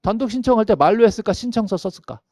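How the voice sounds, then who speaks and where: A man's voice: high voice, expressive, racing, darkish tone, no room sound, studio quality. A middle-aged man giving a classroom lecture on property registration law, asking himself questions and chuckling often. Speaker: real estate law lecturer.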